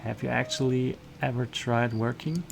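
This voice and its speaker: A man's voice: medium pitch, steady tone, moderate pace, gravelly, slight background noise, natural voice. A man reading the lines of a stern, probing investigator in a visual novel. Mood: curt. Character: stern, probing male investigator questioning a guard.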